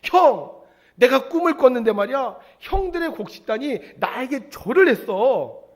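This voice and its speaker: Pastor doing a naive young dreamer, boastful, high bright voice climbing up and down. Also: male voice, very animated, normal speed, exaggerated voice. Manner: eager, boasting, high and loud. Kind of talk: storytelling sermon.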